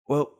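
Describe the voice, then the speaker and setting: A man playing a wry, anxious civilian doctor held captive in an audio drama. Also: a little mellow.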